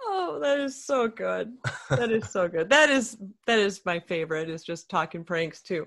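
Against noticeable background noise, a woman of medium pitch talks at a moderate pace with very wide swings in pitch. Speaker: podcast host. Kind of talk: casual interview chat.

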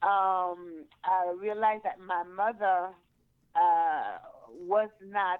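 A woman talks at medium pitch. She speaks with a French accent. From France. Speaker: caller. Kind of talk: call-in advice conversation. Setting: phone call. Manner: halting.

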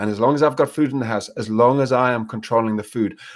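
The man has a British accent. He moves along at a fairly quick clip. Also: very clean recording, silent background. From Britain. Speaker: dog trainer and author. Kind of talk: casual interview chat. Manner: animated.

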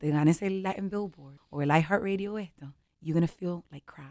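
With a dark, mellow tone, a woman speaks at a moderate pace in a fairly low-pitched voice. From New Jersey, Puerto Rican family. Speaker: singer and dancer. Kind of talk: interview. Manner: code-switching Spanish and English.

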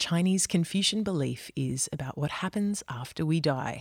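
With an Australian accent, a woman speaks at a fairly low pitch and moderate pace, her intonation lively. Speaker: podcast host and producer. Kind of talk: scripted narration. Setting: outdoors on a busy street.

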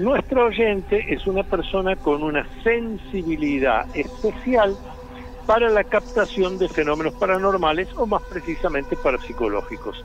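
A high-pitched man's voice with very wide pitch swings, at a moderate pace, over noticeable background noise. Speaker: esoteric expert. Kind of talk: radio interview.

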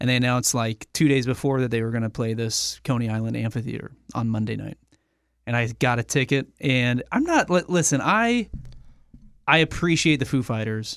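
With an American accent and a plain, everyday voice, a man speaks fairly quickly at a medium pitch with ordinary pitch variation on a very clean recording with a silent background. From Kansas. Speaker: pastor and radio worker. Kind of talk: casual chat.

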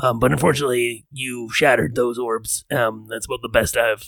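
Putting on a raspy character voice, a man talks at medium pitch and a moderate pace. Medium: actual play. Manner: casual, slangy, rambling with fillers.

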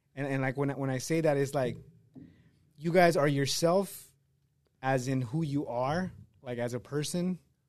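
A man with an American accent talks at a moderate pace in a fairly high voice, with ordinary pitch variation and long, frequent pauses. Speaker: podcast host, presbyterian. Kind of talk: casual podcast conversation.

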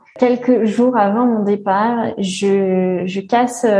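A woman talks at a medium pitch. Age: 20s. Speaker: traveller telling her story. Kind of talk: personal travel testimony. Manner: hesitant, many fillers and repetitions.

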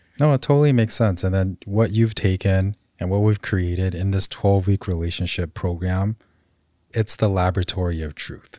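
On a very clean recording with a silent background and a dry, close sound with no echo, a man speaks with a New York accent, a very deep, low pitch and a dark, mellow tone. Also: ordinary pitch variation, moderate pace. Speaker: co-host, relationship expert. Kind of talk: casual podcast conversation.

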